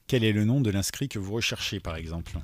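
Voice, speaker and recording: A man's voice: on the low side, expressive, quick pace, a little hiss or hum. A man teaching beginners to code, thinking aloud as he types and often checking in with "d'accord?". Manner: chatty, thinks aloud while typing, frequent "d'accord?". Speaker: coding instructor. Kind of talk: screen-recorded coding tutorial.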